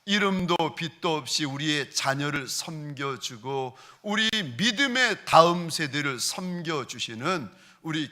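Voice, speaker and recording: A male pastor telling a story during a sermon, with dramatic shifts in loudness and pace. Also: fairly high pitch. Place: church sanctuary.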